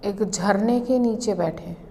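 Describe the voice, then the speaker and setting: A woman leads a guided meditation as an instructor, calmly giving instructions in short phrases with long pauses. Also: mid-range voice.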